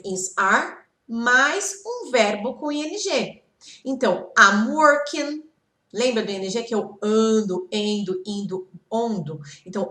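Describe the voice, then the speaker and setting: A woman teaching English grammar from slides, speaking slowly and patiently when she models example phrases and checking in with her listeners as she goes. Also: a little high. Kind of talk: slide-based grammar lesson. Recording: echoey room, voice off-mic.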